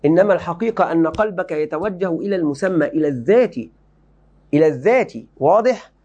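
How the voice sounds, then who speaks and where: A man's voice: high-pitched, animated, fast talker, mellow, muffled recording. Emphatic man teaching religion. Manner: emphatic, repeats key phrases, quizzes students. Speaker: Islamic teacher. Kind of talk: religious lesson explaining a book.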